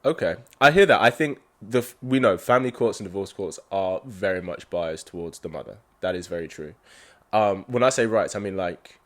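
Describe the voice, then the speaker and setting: A man hosts a relaxed interview, agreeable and curious as he questions his guest. His voice sits on the low side. He keeps the talk friendly and loose. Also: a little fast. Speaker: podcast host. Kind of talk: casual interview chat.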